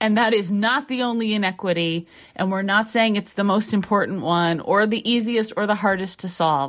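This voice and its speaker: Over a quiet background, a woman talks at a moderate pace. Hers is a plain, everyday voice. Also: medium pitch for a woman, ordinary pitch variation, hardly any pauses. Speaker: math professor. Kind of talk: interview conversation.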